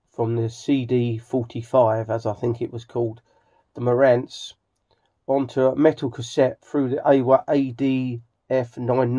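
Slow, mellow middle-aged Englishman. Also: mid-range voice. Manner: halting, hesitant, with frequent throat clearing. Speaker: hobbyist video host. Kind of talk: casual rambling vlog narration. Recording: slightly dull home recording.

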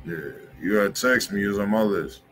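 A man's voice: lowish voice, a little fast, a bit bright, a little hiss or hum. A man hosting a music review livestream in casual, slangy talk, often checking in with his listeners. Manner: laid-back slangy talk, keeps asking "you feel me". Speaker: music review show host. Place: indoor home music studio room.

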